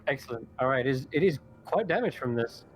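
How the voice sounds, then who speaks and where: A man narrating a tabletop game as game master, descriptive and unhurried. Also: mid-range voice, expressive, breathy edge.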